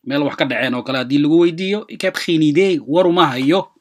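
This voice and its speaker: A language teacher hosting a lesson, giving quick explanations and then repeating short example phrases slowly. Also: medium pitch. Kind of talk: radio-style language lesson.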